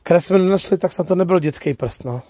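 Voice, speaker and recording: His voice sits high and sounds warm. As host of a car review channel, this man keeps things chatty and casual, adding "jo" to his sentences during an outdoor walkaround at a used car lot and a test drive from inside the car.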